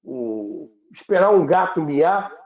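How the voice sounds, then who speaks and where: A Brazilian man with a fairly high voice explains things in an informal interview. He stumbles over repeats and throws in rhetorical questions. The sound is thin like a phone call, with plenty of room echo. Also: expressive. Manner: halting, repeats words, asks rhetorical questions. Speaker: interview guest on radio history.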